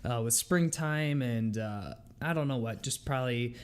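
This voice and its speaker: Male gaming channel host, stuffed up with a cold, medium-pitched, informal delivery that thinks aloud through casual update commentary. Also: moderate pace, clean tone. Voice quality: congested, stuffy. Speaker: video game channel host. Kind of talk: casual patch notes commentary.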